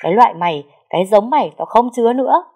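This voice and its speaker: A woman's voice: on the high side, animated, fast talker, a little mellow, breathy edge, voice pushed up. A woman voicing a cruel, heavyset middle-aged aunt who screams curses while throwing her niece out. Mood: screaming abuse. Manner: screeching, cursing.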